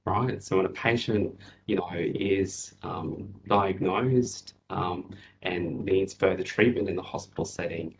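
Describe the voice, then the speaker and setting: A man in his thirties representing Aboriginal health services, giving measured testimony over a video call, with many fillers. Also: low voice, husky, rough recording. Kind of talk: testimony at a hearing.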